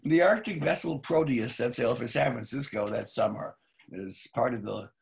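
Older guy acting grave storyteller, super croaky, measured stage drama delivery. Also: mid-range voice, natural voice. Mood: grave, wistful. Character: grave, wistful male storyteller recounting mystery. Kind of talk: dramatic narration in staged reading. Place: book-lined home room, video call.

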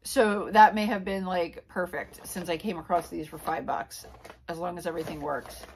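A reseller vlogger in her forties from Pennsylvania, USA, chats casually to camera about her flea market finds, rambling with plenty of fillers and asides in a small indoor room. Her voice sits fairly low with fairly even intonation and a normal pace. The camera is on a tripod a few feet away, and a little hiss or hum is audible.

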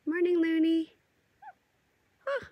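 A woman's voice: extremely high pitch, lively intonation, takes it slowly, dull audio. A middle-aged woman with a stuffed-up nose talks casually about her solo camping trip, with lots of ums and uhs, filming herself at arm's length outdoors. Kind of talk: casual vlog narration. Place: outdoors at a lakeside campsite and in a tent. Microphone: camera at arm's length.

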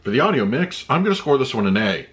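A man's voice: mid-range voice, very animated, quick pace, a bit bright. A man in his thirties reviewing a movie disc at home, chatting loosely and then reading out a written review. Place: home room with shelves of discs.

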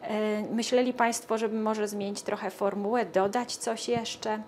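A woman's voice: medium pitch, little pitch movement, measured pace, a little mellow, slight background noise. A woman asks questions as a television interviewer in a studio. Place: TV studio, seated at a glass desk.

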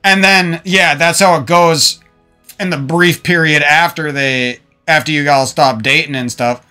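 A gaming streamer at home airs grievances about past relationships to his viewers through a desk microphone, cursing and rambling with frequent restarts. Faint music sits behind his fairly high, steady, smooth voice, which sounds pushed and bright at a measured pace.

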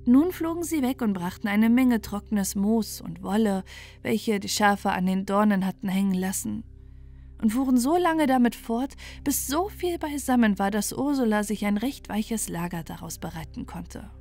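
A woman narrating a bedtime fairy tale in a soothing, gentle, unhurried and expressive way. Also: mid-range voice. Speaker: storyteller. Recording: music behind the voice.

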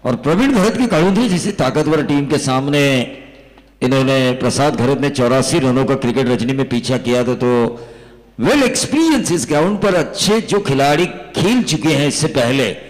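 A man's voice: mid-range voice, expressive, moderate pace, long reverb tail, poor audio. A man giving live cricket commentary, rhetorical and emphatic, asking questions and answering them himself. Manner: rhetorical, emphatic, quotes film dialogue for flair.

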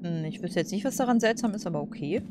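A woman with a fairly low voice gives casual gaming commentary. She thinks aloud in a colloquial, hesitant way, with noticeable noise and game ambience behind her. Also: animated, quick pace. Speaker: let's play host.

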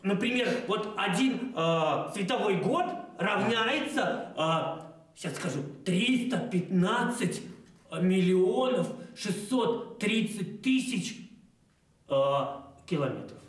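An eager rambling clown, kinda high voice, echoey studio from a bit away. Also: male voice, expressive, takes it slowly. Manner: eager, rambling explanations with many fillers. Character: cheerful know-it-all male clown. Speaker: clown co-host of a children's bedtime show. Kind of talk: playful children's TV banter. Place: indoor TV studio set. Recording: roomy studio set, mic at a distance.

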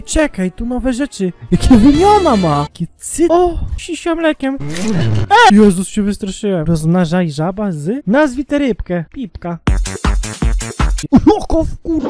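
A man streaming games, reacting with constant swearing, laughter and excited shrieks. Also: sits high. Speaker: gaming streamer. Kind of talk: reactive gameplay commentary.

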